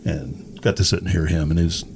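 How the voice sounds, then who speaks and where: A man's voice: low-pitched, a little fast, vocal fry, darkish tone. A man talking casually in conversation as a radio broadcaster, with ambient noise behind him.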